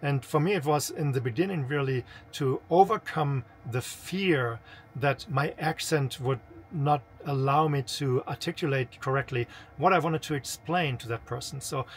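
A man's voice: medium pitch, normal speed, slight background noise. A man in his fifties with a non-native English accent, a senior manager giving informal, explanatory advice to camera in a conversational way. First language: not English. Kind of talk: informal instructional talk to camera. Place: small camper interior.

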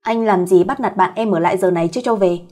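A woman's voice: medium pitch, fast talker, a little mellow, breathy edge, close to an everyday voice. A woman voicing a cheeky, teasing, protective young female cousin in a fireside storyteller's audio tale. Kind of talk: acted dialogue in an audio story.

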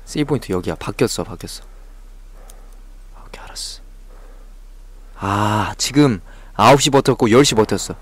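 A man's voice: medium pitch, expressive, fast talker, breathy edge. A male game streamer giving frantic live commentary on a horror game, jumpy and swearing at the scares.

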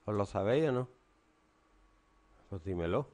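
Male teacher, stern lecturing tone, lowish voice, classroom. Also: animated, measured pace, darkish tone. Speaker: English teacher.

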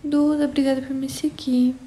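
A woman's voice: high voice, little pitch movement, normal speed, mellow. A young woman from Brazil with a São Paulo accent, casually chatting on a phone livestream and answering viewers by name. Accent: São Paulo Portuguese. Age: young adult. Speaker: livestream host. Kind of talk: casual live chat reading viewer comments.

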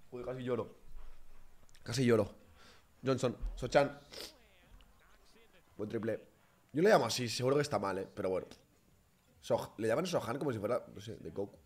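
A young man giving excitable live reaction commentary on a basketball game, bursting into shouts. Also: mid-range voice, moderate pace, long pauses, husky.

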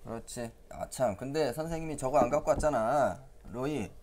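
A man's voice: medium pitch, moderate pace, darkish tone. A male English vocabulary teacher giving a playful lesson to young children, coaxing them with quiz questions and frequent chuckles.

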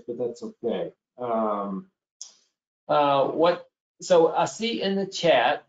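A man moderates an online meeting in a mid-range voice. He talks informally and haltingly, thinking as he goes. The sound is echoey and somewhat muffled. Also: medium pitch. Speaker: session moderator. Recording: roomy, dull online meeting audio.

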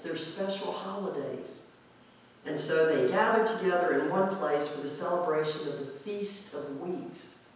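A male pastor giving a reflective, conversational sermon in a church sanctuary, drawing out key words slowly for emphasis. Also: on the high side, a little hiss or hum. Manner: reflective, conversational preaching with slow drawn-out emphasis. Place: church sanctuary with pipe organ, indoors. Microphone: far camera at back of sanctuary. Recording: very echoey church hall from far off.

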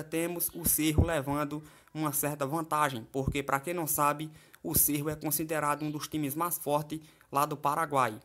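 A man's voice: a little high, a bit bright. A man giving football betting tips over a screen recording in a chatty, casual way, often checking in with his listeners. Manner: chatty, keeps asking "tá certo?" and "né?". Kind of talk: casual screen-share commentary. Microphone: voice-over over a phone screen.

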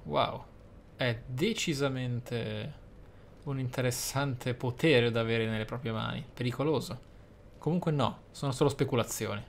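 A man's voice: medium pitch, vocal fry, slight background noise. Man doing articulate gameplay commentary. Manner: deliberate, articulate, formal wording. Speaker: gamer, let's play host. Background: video game ambience.

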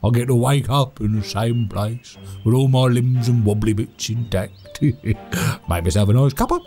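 An actor playing a chatty, cheerful manor servant in an audio drama, with a British accent and a rambling, stammering, chuckling delivery. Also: male voice, medium pitch, moderate pace, a little mellow, faint music behind, lightly acted. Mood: rueful, amused. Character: chatty, cheerful, oft-killed manor servant named Todd.

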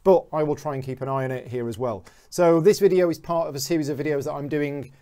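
A man in his thirties hosts a live-streamed interview from a home studio. His voice is mellow and warm, sitting a touch high, and he talks in a chatty, joking way with plenty of fillers. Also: fast. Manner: chatty, jokey, frequent "uh" fillers. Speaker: host.

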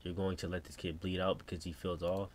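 An American man voicing a brisk, insistent emergency dispatcher in a horror game, businesslike and questioning. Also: deep voice, little pitch movement, slight background noise, close to an everyday voice. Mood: insistent, stern. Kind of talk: reading game subtitles as dialogue.

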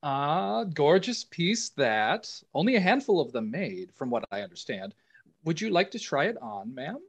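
An actor playing a polite, salesy jeweler in a radio play, with courteous, smooth patter. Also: male voice, fairly high pitch, sing-song, moderate pace, exaggerated voice. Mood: eager, unctuous. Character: polite, salesy male jeweler pushing his wares.

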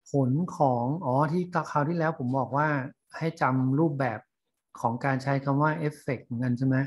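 Slow, husky man lecturing. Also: mid-range voice. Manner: slow, halting, many fillers. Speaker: teacher. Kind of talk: lecture on reading scientific English.

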